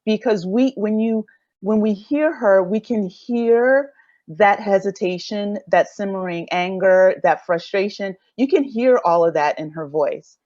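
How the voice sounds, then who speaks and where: A woman speaking as a panelist and audio drama creator, reflective and halting as she searches for words in an unscripted discussion. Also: medium pitch, darkish tone, no echo, dull audio.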